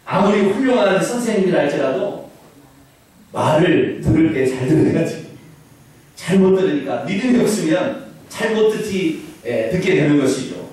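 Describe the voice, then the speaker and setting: A male pastor preaching a sermon in a church, with animated, emphatic calls to the congregation. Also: fairly high pitch, normal speed. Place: church sanctuary. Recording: echoey church hall, distant mic.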